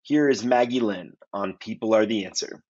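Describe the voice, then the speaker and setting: A man hosting a podcast, reading a scripted intro and asking questions in a measured, courteous way. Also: lowish voice, darkish tone, dull audio. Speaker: podcast host.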